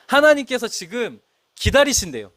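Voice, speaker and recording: A man's voice: very high voice, big pitch swings, moderate pace, fairly bright tone, no echo, studio quality. A middle-aged male pastor preaching a sermon, telling a story and asking the congregation questions. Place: church.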